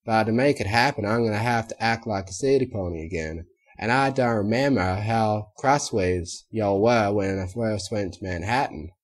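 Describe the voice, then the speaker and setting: A man's voice: lowish voice, normal speed, close to an everyday voice. A man reading a storybook and voicing a young adult farm mare with a Southern drawl. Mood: worried. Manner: drawling, stammers when nervous. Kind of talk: audiobook character reading.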